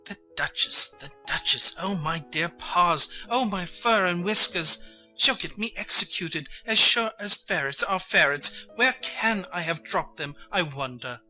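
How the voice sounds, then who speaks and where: A man's voice: high voice, lively intonation, unhurried, soft background music, exaggerated voice, poor audio. A man voicing an anxious, bossy and irritable white rabbit in a dramatized storybook audiobook. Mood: anxious, fretful. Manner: fretful muttering and sharp ordering.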